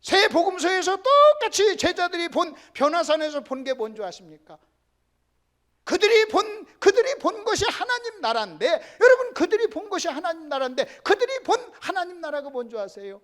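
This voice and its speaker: At a normal speed, a male pastor preaches in a very high-pitched, sing-song voice. His delivery is emphatic, he calls out to the congregation repeatedly, and he sometimes hushes to a whisper.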